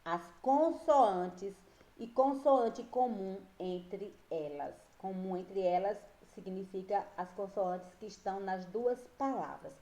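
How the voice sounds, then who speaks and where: A woman teacher, giving a slow and patient reading and spelling lesson to young children, often checking whether they follow. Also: mid-range voice, lively intonation, warm tone, roomy sound. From Brazil. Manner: slow, patient, drawn-out words, frequent checks with pupils. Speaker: primary school teacher.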